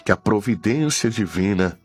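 A man leading a fervent late-night prayer, slow and pleading, repeating his invocations. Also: fairly low pitch, expressive, a little mellow, soft background music. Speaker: prayer leader.

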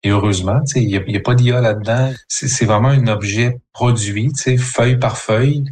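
A man's voice: mid-range voice, fairly quick, darkish tone, a little hiss or hum. A man with a Quebec French accent, an interviewed filmmaker, talking in a rambling, earnest way full of fillers. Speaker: film director interviewed. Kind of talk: casual interview talk.

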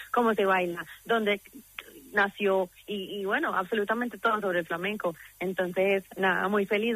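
A woman's voice: medium pitch, fairly bright tone, no echo, low-quality recording. Effusive Colombian woman from Medellín. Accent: Colombian paisa. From Medellín, Colombia; grew up in the United States. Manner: earnest and effusive, frequent restarts. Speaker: singer guest. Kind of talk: promotional interview.

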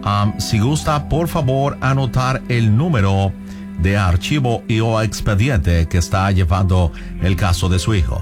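A man's voice: on the low side, measured pace, music in the background. A man working as a detention official, speaking formally and hesitantly, switching between English and Spanish.

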